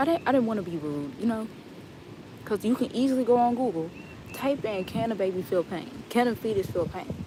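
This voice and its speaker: There is noticeable background noise as a woman speaks at a fairly quick pace. Her fairly high pitch comes with lively intonation. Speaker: video blogger. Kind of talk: casual monologue. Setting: live stream. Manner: animated.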